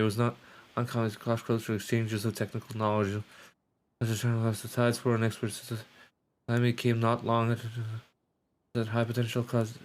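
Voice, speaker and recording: Male game streamer: mid-pitched, casual, rambling, loose-tongued live commentary. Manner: sweary, rambling.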